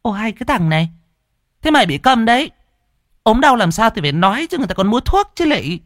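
A man's voice: mid-range voice, animated, normal speed, dry recording, studio quality, pitched above the performer's own voice, natural voice. A man voicing a fretful, scolding middle-aged mother in a spoken horror story. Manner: nagging, sharp-tongued.

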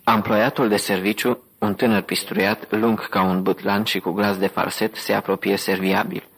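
A man narrating an audiobook with a steady, even reading. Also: on the low side, slightly rough, rough recording.

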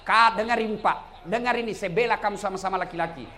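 A man preaching a humorous sermon to a crowd, acting out the voices in his stories and shouting his punchlines. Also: sits high, fast talker. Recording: echoey hall with faint noise.

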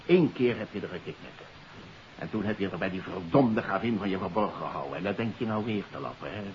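An actor playing a threatening, suspicious crook in a 1950s radio drama, speaking in an accusing, interrogating manner. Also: male voice, sits low, animated, fast. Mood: angry, menacing. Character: threatening, suspicious male crook, father of missing daughter. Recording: muffled hissy 1950s radio recording.

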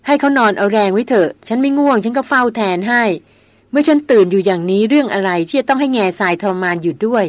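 A woman's voice: a little high, expressive, quick pace, no room sound, lightly acted. A woman voicing a proud, headstrong young noblewoman who speaks firmly and insistently in an audiobook. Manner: firm, insistent.

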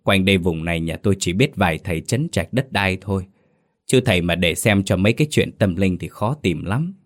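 Anxious middle-aged village man, read by a man, deep voice, urgent, pleading. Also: lively intonation, fairly quick. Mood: worried.

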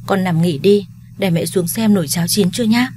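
A woman voicing a loving middle-aged mother, pleading and gently insistent, in a told story. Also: fairly low pitch, brisk, slight background noise, close to an everyday voice. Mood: tender.

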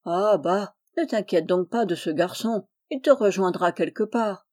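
A woman reading aloud and voicing a brusque, hearty middle-aged farmer, gruff and booming at times. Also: measured pace, a little mellow, close to an everyday voice.

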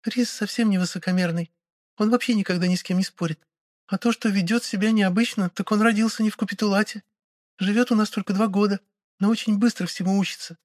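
A man voicing a gentle, caring young noblewoman who speaks softly and earnestly. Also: high voice, steady tone, fast talker, dry recording, clean studio sound, pitched above the performer's own voice, close to an everyday voice. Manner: soft, earnest, kind. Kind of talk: audiobook character voice.

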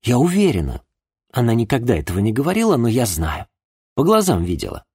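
A man reading the lines of a polite, gentle young pregnant woman in an audiobook, in a soft, courteous storytelling manner. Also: mid-range voice, wildly swooping pitch, brisk, breathy edge, no echo, studio quality, exaggerated voice. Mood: nostalgic.

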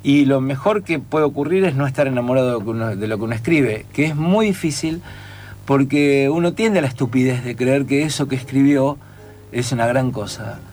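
A man's voice: medium pitch, a little fast, darkish tone. A man with a Rioplatense Spanish accent, a writer and teacher in casual conversation, who sings out rhythms to explain his points.

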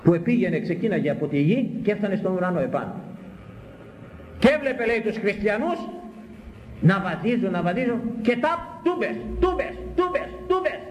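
A man preaching a sermon, repeating words for emphasis and swinging between high exclamations and low, grave phrases. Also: sing-song. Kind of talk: sermon on a Bible passage. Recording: echoey hall, faint background noise.

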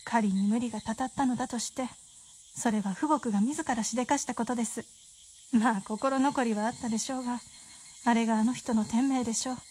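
上品な言葉遣いで夫をからかう作家の妻を演じる女性俳優。ラジオドラマの芝居。. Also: female voice, on the high side, fairly even intonation, fairly quick, darkish tone, slightly rough. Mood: wry. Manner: polite, teasing, genteel speech. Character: refined wry wife of a novelist. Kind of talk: radio drama acting.

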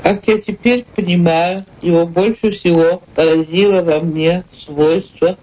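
An actress playing a dignified older female poet, narrating her memories in a measured, literary manner for a radio play. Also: lowish voice, fairly even intonation, darkish tone, a little hiss or hum, close to an everyday voice, rough recording. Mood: reflective, wistful. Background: music.

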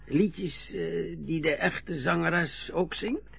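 A gravelly frail old man. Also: on the high side, slow, a bit bright, no echo, heavily acted. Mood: coaxing. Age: older. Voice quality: gravelly, creaky. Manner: hesitant, stammering, self-pitying. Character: frail old man, gloomy yet curious. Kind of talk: radio play acting. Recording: dull lo-fi radio play recording.

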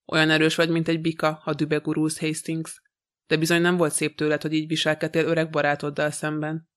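A man voicing a shrewd, calm older male detective in an audiobook, gently teasing. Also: fairly high pitch, close to an everyday voice.

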